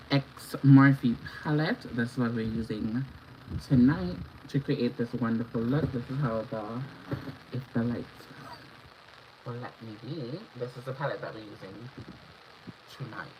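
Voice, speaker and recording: Hoarse woman chatting through a makeup livestream. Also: rumbling low, measured pace, mellow. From Antigua and Barbuda. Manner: chatty, instructional, greets viewers by name. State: hoarse from a cold. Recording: dull lo-fi stream audio with clear background noise.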